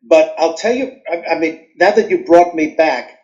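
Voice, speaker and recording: New york guy telling stories in an interview, higher voice, acts stuff out, kinda dull lo-fi sound. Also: moderate pace. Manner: animated storyteller, acts out scenes. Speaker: guest. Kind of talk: storytelling interview answers.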